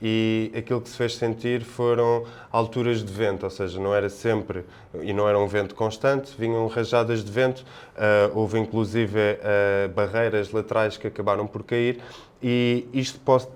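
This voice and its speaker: A man with a European Portuguese accent giving casual sports analysis as a podcast panelist, in a halting, discursive manner. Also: lowish voice, level tone, clear, resonant tone.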